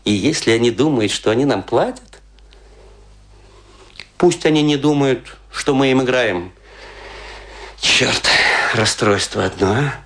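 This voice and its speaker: An actor playing a boastful, aggrieved, tipsy provincial stage player, declaiming with grandiose self-pity and dramatic pauses in a radio play. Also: male voice, mid-range voice, a bit bright. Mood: scornful. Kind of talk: theatrical radio play monologue.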